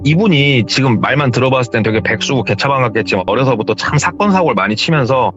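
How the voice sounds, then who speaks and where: A man's voice: mid-range voice, fast, dull audio, over music. A man vividly retelling a true horror story he heard, in a casual interview. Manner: lively, vivid storytelling with hearsay phrasing. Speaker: storyteller guest.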